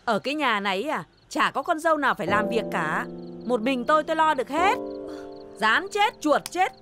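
A woman's voice: high voice, lively intonation, moderate pace, music in the background. An actress playing an indulgent older mother-in-law in a TV drama, scolding her children while doting on her daughter-in-law. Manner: scolding but doting, exasperated sighs.

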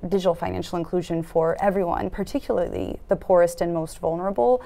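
A woman in her thirties giving earnest interview answers in a studio, often pausing with fillers and restarting her sentences. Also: fairly low pitch, creaky, mellow. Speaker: foundation program officer, interviewee. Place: dark studio set at a conference.

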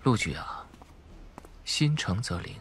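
A cool young schemer in an audiobook thriller, acted by a male narrator. He speaks low, with understated, teasing insolence and unhurried confidence. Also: sing-song, in a whisper.

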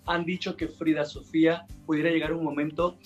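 A man's voice: on the high side, little pitch movement, brisk, dull audio, soft background music. Podcast host man with a headset mic. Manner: asks short probing questions. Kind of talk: interview host.

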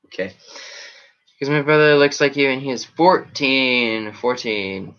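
A man's voice: mid-range voice, measured pace, a bit bright, muffled recording. A teenage boy wearing a headset, casually rambling through his live chat in a small room with a green backdrop. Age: teens. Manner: rambling, chatty, reacting to comments. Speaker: livestream host reading chat.

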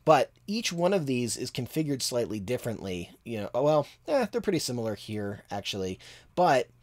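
Relaxed man explaining a mix. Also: mid-range voice, moderate pace. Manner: relaxed, thinking aloud with fillers. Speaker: mixing engineer and tutor. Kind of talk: casual screen-share tutorial. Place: home studio room.

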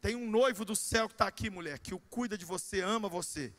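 High, bright shouting Brazilian pastor. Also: male voice, brisk. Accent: Brazilian Portuguese. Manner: animated, shouting preacher with comic asides. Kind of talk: sermon. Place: church.

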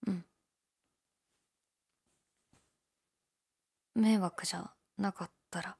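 A young woman playing a laid-back, shyly candid gyaru convenience-store clerk in an audio drama, with a breathy, hesitant, mumbled delivery. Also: warm tone. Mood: shy, pleased. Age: young adult. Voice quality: low, breathy. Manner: listless, hesitant, mumbled casual polite speech. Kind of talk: male-oriented situation voice drama, casual chat.

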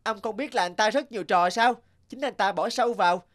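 A voice actor playing an exclamatory market character in an animated folk-tale dub. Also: mid-range voice, a little fast, close to an everyday voice. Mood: scolding.

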